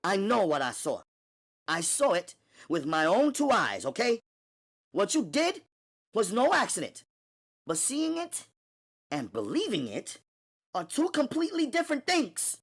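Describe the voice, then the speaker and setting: A man voicing a tough, streetwise young woman who speaks fast and emphatically, her pitch climbing as she talks. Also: very animated, a bit bright. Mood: frantic. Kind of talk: audiobook character voice.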